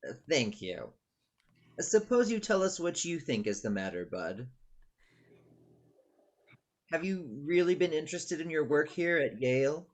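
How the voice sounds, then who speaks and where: A man's voice: a little high, sing-song. Guy reading as a polite college dean, patient questions, voice moves up and down a lot. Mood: patient, probing. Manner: measured, polite, probing. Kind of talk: table read of a screenplay.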